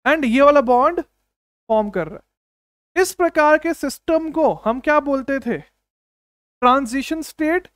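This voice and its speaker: A man teaching chemistry in an energetic exam-coaching lecture, often asking the class rhetorical questions and repeating short commands. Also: extremely high pitch, slow, pauses often, dry recording. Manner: repeats short commands like "don't write, understand".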